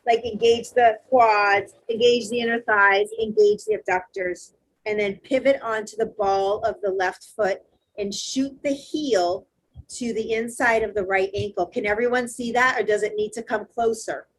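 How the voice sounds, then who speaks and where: A woman teaching a live online yoga class, cueing poses step by step in a loud, encouraging, chatty way over a video call. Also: fairly high pitch, moderate pace, rough recording. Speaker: yoga instructor.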